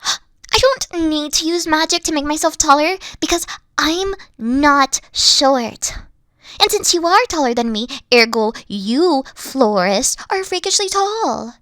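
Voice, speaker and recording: High-pitched, dorky evil queen played by a woman. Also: vocal fry, a bit bright, no room sound, clean studio sound, full character voice. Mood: indignant. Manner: pompous, theatrical, easily flustered. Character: dorky, haughty, secretly soft evil queen. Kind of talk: playful roleplay audio acting.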